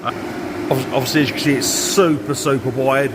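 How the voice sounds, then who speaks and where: A man with a croaky voice, talking loudly in a cold garage over a running heater. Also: mid-range voice, fairly even intonation, brisk. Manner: raised, shouting over heater noise. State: croaky voice from flu.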